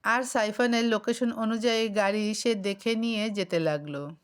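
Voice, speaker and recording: A woman's voice: mid-range voice, normal speed, clean tone. A woman with a Bengali accent narrating a scripted romantic story in a dramatic, vivid way.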